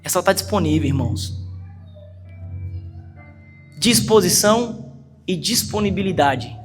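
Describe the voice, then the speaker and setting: A man's voice: high voice, animated, unhurried. A man with a Brazilian Portuguese accent preaching a sermon, telling a story earnestly and building to urgent emphasis. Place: church hall. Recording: long hall reverb with faint music.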